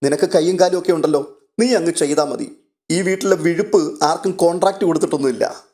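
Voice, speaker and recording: A man's voice: fairly high pitch, a little fast, darkish tone, voice pushed up, close to an everyday voice. A man reading out a stern, bossy woman of the household, voicing her in a curt, scolding way.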